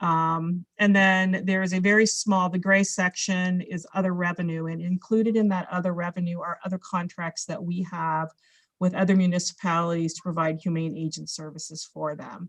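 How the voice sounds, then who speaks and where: A woman talks in a fairly low, somewhat breathy voice with monotone, flat intonation. She leaves hardly any pauses. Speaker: nonprofit executive director. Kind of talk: presentation. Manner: fast.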